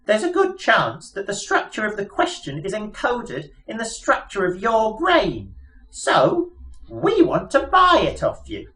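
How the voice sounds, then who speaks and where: A man's voice: sits high, wildly swooping pitch, unhurried, sharp tone, voice pushed up, full character voice, rough recording. A man voicing a small, scheming mouse in a storybook reading, piping, polite and coolly ruthless. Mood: coolly menacing. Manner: polite, wheedling, businesslike.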